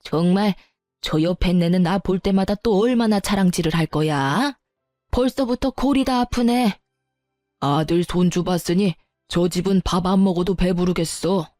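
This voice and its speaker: A woman's voice: on the low side, moderate pace, darkish tone, no room sound, studio quality, faint music behind, close to an everyday voice. A woman voicing a scornful, nagging middle-aged mother-in-law who sighs and belittles. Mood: sneering. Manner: sighing, sneering, belittling.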